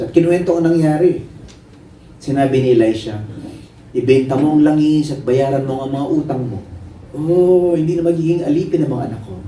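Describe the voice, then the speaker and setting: A Filipino-accented pastor preaching a sermon in a lively storytelling way, mixing Tagalog and English and acting out the people in his stories. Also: a little high, a little hiss or hum. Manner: storytelling, animated, acts out voices. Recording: echoey hall, voice from a distance.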